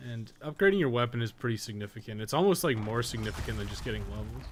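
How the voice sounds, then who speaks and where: A man's voice: medium pitch, animated, fast, a little hiss or hum. A man giving casual, candid live gameplay commentary in an informal, conversational way, as a streamer chatting with viewers. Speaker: game streamer and guide maker.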